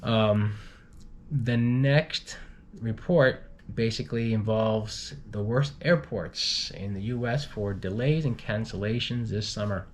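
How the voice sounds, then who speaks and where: A man reading news items informally with his own commentary, in a halting way, stumbling over and repeating words. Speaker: news reader for an expat community channel. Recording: clearly noisy home recording with low rumble.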